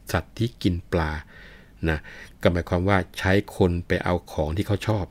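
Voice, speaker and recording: A man telling a classic tale, explaining old sayings in a chatty, leisurely way to his listeners. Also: low voice. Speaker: storyteller. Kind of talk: storytelling with idiom explanations.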